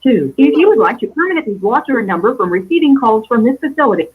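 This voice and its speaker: A woman's voice: on the high side, sing-song, fast talker, breathy edge. Automated woman's voice on a tinny phone line. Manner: formal, evenly paced instructions. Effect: recorded message played over a phone line. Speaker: automated jail collect-call prompt. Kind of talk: recorded automated announcement.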